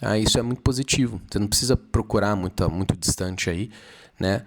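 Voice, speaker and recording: A man from Brazil teaching an English lesson, explaining step by step with frequent check-ins and reading example sentences slowly. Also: on the low side. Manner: reads English sentences slowly to model pronunciation.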